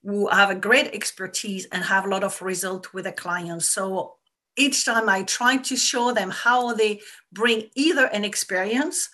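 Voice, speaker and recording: A woman's voice: medium pitch, fairly even intonation, a little slow, sharp tone. A woman with a French accent, a business coach explaining her work in an earnest, repetitive way. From France. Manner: earnest and explanatory, stresses points by repeating them. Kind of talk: casual interview answers.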